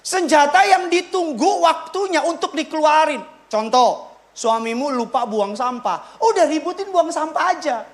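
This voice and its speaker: A male pastor preaching a sermon in a church, repeating his points with emphasis and swinging between loud punches and quiet asides. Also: very high voice, animated, moderate pace. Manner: emphatic, repeats key lines for the congregation.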